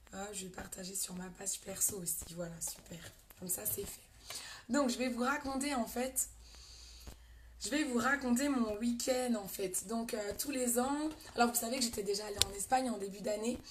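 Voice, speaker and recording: Speaking at a moderate pace with long, frequent pauses, a woman with a fairly high pitch and ordinary pitch variation swings widely in loudness amid audible room echo. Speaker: beauty vlogger and makeup seller. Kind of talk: casual live stream chat. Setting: live stream on tablet. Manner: not loud, cannot speak loudly; chatty, greeting viewers often.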